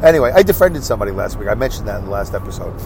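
A man's voice: fairly low pitch, sing-song, racing, a little mellow, a little hiss or hum. Congested man rambling while driving. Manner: chatty, self-deprecating, talks to himself. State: congested, stuffy nose. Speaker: podcast host. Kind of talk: solo rambling podcast monologue. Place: in a car, driving in traffic.

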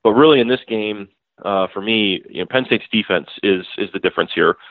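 A man's voice: fairly low pitch, brisk, creaky, no echo. A newspaper beat writer, a man, talks through a game as a podcast guest, in a loose, chatty way, often starting over mid-sentence and chuckling as he goes. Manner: talkative, frequent restarts and fillers, chuckling asides. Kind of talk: casual sports analysis. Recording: tinny phone line, dry.

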